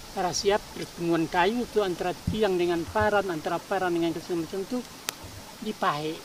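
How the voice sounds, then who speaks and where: Fairly even intonation from a man with a high pitch, at a fairly quick pace, over noticeable background noise. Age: 70s. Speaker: customary elder and playwright. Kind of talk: interview.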